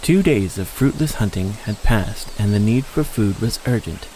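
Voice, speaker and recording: A man's voice: lowish voice, animated, moderate pace, dark tone, slight background noise, low-quality recording. A man delivering scripted, dramatic narration of a story as the narrator.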